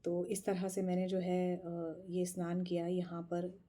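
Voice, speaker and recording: Warm-voiced woman telling a lively story. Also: on the low side, a little slow. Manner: animated, laughs often while retelling; mixes English phrases into speech. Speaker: tarot channel host. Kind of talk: casual travel storytelling.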